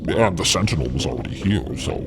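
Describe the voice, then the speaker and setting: A man's voice: rumbling low, lively intonation, fast talker, creaky, noisy background, full character voice. A man playing a courteous, cautious alien in an audio drama, with formal wording and hesitant stammers. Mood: flustered, modest. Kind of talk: scripted audio drama acting. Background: music.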